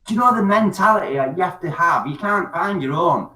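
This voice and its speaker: A man's voice: high voice, expressive, a little fast, pushed and bright. A drunk man from Scotland, rambling and swearing through a casual online chat. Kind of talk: casual chat on an open call-in platform. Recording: echoey, distant mic.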